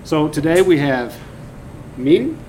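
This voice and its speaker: A man's voice: a little high, sing-song, slow. A man hosting an interview, chatty and joking as he introduces his guest. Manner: chatty, joking, rambling restarts. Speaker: show host. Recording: noisy room with background hum.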